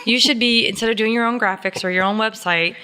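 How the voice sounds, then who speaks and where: Bright-voiced American woman in a reverberant space. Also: a little high, quick pace, clear, resonant tone. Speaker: podcast co-host. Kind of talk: casual business advice chat.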